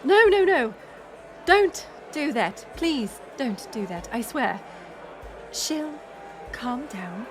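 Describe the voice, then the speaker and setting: Woman as middle-aged queen, high voice, slow delivery, proud, commanding, weary, audio drama. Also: animated. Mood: placating, apologetic. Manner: commanding, formal, measured. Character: proud, controlling queen mother, weary but regal. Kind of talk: dramatic audio roleplay acting. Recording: music and crowd murmur behind. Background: music and banquet crowd.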